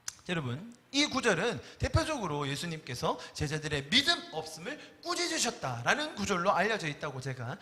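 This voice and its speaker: Bright, lively-voiced pastor in reverberant church. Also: male voice, sits high. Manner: animated, acts out voices of disciples and Jesus. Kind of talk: sermon. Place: church sanctuary.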